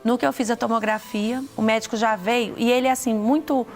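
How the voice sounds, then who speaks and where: A middle-aged Brazilian woman tells her testimony in an earnest, halting way, often restarting her sentences. Her voice sits a little high and has a gravelly edge. Soft music plays underneath. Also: fairly even intonation. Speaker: guest giving a testimony. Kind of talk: emotional personal testimony.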